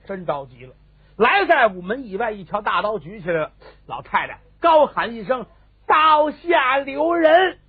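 Male storyteller, high animated voice, husky, tinny phone-band recording, theatrical. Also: normal speed, dry recording. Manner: lively, theatrical, asks and answers own questions. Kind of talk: traditional comic storytelling.

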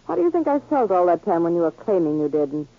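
A woman's voice: lowish voice, very animated, quick pace. An actress playing a nervous, resentful female spy accomplice in a 1940s radio drama. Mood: bitter. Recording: scratchy, narrow-band 1940s radio recording.

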